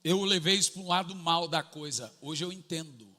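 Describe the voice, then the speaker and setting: A man's voice: fairly high pitch, brisk. A man in his forties with a Brazilian Portuguese accent, preaching a sermon and acting out funny family stories. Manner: animated storytelling, jokey, acts out family dialogue. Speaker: pastor. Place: large church hall. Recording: echoey church hall.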